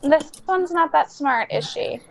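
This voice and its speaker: Tabletop creature played by a woman: high, cool and teasing, unhurried, over background noise with clicks. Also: creaky. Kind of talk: improvised tabletop role-play.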